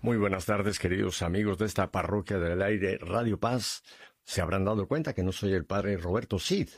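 Un hombre con acento mexicano que conduce un programa de radio religioso y conversa con su invitado. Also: male voice, deep voice, normal speed, husky. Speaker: radio host. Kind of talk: radio chat on faith.

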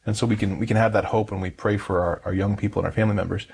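A man hosting a faith-based interview, talking in a thoughtful, halting way with frequent restarts. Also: fairly low pitch, steady tone, creaky, a little mellow, a little hiss or hum. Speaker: interview host.

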